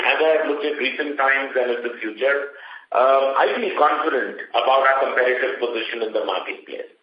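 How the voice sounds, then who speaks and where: Man, Indian accent, company executive, emphatic confident explaining, question-and-answer call, roomy sound, lo-fi audio. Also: mid-range voice. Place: conference phone call. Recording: echoey, muffled conference call audio.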